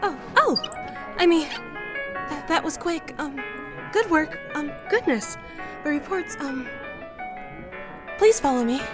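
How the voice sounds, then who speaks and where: A woman's voice: sits high, lively intonation, takes it slowly, long pauses, over music, pitched above the performer's own voice. A woman voicing a nervous, apologetic female embassy official in an audio drama, hesitant, fussy and stammering. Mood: flustered, apologetic.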